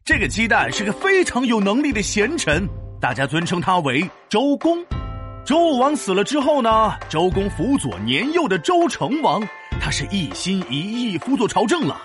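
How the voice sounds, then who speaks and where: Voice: medium pitch, big pitch swings, moderate pace, fairly bright tone, soft background music. An actor playing a boastful, learned five-thousand-year-old dragon who tells stories to children in a theatrical, teasing, explanatory way. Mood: playfully instructive. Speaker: storyteller and teacher. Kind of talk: animated children's educational audio drama storytelling.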